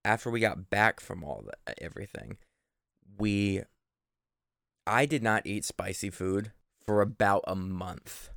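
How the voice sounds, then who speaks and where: A man's voice: on the low side, a little slow, gravelly, fairly bright tone, no room sound, studio quality. A man co-hosting a podcast, telling stories in a casual, informal, mildly profane way. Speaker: podcast co-host. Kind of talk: casual podcast chat and storytelling.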